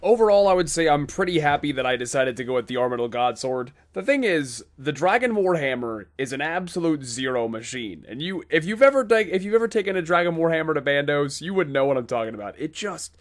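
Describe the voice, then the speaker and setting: A young man with a Midwestern American accent, talking in a slightly high voice over a headset. His gaming chatter rambles along cheerfully, and he laughs easily. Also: sing-song, quick pace, few pauses. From North Dakota, USA. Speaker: gaming video host. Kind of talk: casual gameplay chat and commentary.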